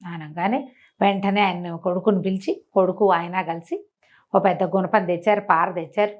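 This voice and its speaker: A woman's voice: fairly low pitch, fairly even intonation, moderate pace, dull audio. A woman tells a folk tale conversationally, repeating phrases and slipping in small explanatory asides. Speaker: storyteller.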